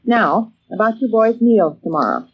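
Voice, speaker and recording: A woman's voice: fairly high pitch, expressive, moderate pace, natural voice. An American actress playing a bustling, mildly exasperated middle-aged housewife and mother in an old-time radio comedy serial, chatty and folksy. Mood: brisk, instructing. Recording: muffled, noisy old radio recording.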